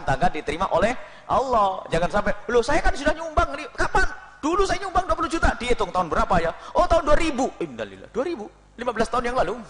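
Brief: fast, expressive male preacher, bright pitch, big swings, recorded in a reverberant hall with a crowd present. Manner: animated, acts out little scenes, laughs. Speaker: preacher answering questions. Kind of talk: religious lecture. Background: audience.

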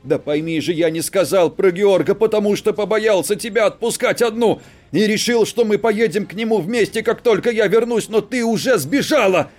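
A man voicing a desperate werewolf husband who shouts and pleads to be heard, in an audiobook. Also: a little high, moderate pace, faint music behind, natural voice. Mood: shouting. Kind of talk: audiobook character voice.

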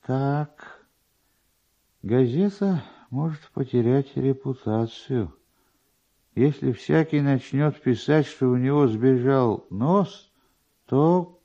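A man voicing an officious, pedantic, slow-witted male newspaper clerk in a dramatised literary reading, drawing his words out. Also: medium pitch, dark tone. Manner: deliberate, drawn-out, pedantic. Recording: dull, lo-fi archive radio recording.

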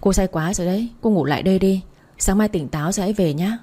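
A woman's voice: medium pitch, fast, warm tone, close to an everyday voice. A woman voicing a brusque, impatient young man who runs a bar, talking in a curt, scolding way. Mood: exasperated.

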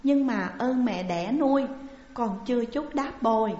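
Weepy young noblewoman, woman putting on the voice, pleading, raised pitch, dull echoey recording. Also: lively intonation, a little slow, a little mellow. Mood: tearful pleading. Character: frightened young noble daughter, tearful. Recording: muffled, roomy with long reverb.

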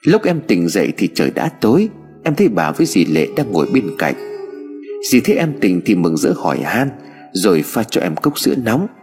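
A man's voice: fairly low pitch, wildly swooping pitch, brisk, darkish tone. A man narrating a story expressively. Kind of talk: scripted narration. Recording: hall reverb with music bed.

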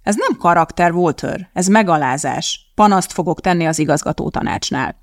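An audiobook reader voicing a blunt, determined woman who talks firmly and matter-of-factly, with a creaky edge. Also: mid-range voice, lively intonation, no echo, clean studio sound, natural voice. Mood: indignant. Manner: firm and matter-of-fact. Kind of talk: audiobook character voice.

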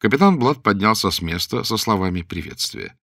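A man reading a story aloud as narrator in a steady, expressive manner. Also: lowish voice, brisk, gravelly, no room sound, clean studio sound. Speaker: audiobook narrator. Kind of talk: scripted narration.

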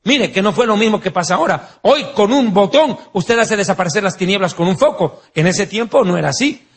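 A man's voice: sits high, lively intonation, fairly quick. A man preaching a sermon in Spanish-language style, mixing teaching with anecdotes and jokes, asking rhetorical questions and acting out quoted voices.

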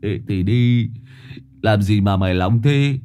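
A man's voice: fairly low pitch, slow, clear, resonant tone. A man playing a goofy, simple-minded young village lad with an easygoing, silly manner. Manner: easygoing, silly, calls out loudly.

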